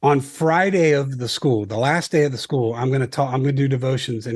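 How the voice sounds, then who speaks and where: Somewhat breathy, a man speaks at a fairly quick pace with a medium pitch, ordinary pitch variation, and a slight New England accent. The recording is very clean with a silent background. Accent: slight Yankee. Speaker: podcast host and music school leader. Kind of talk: casual chat.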